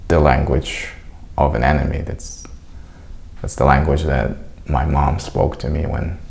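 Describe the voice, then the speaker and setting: Man, from Crimea, deep voice, slow, searching for words. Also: fairly even intonation, vocal fry, a little mellow. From Crimea, Ukraine. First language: Russian. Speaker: vlogger. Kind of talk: reflective personal monologue.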